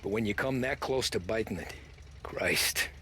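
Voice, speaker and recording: Cynical American gangster, lowish voice. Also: male voice, normal speed, sharp tone, a little hiss or hum. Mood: weary. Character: cynical, tough American gangster, world-weary. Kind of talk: naturalistic video game acting.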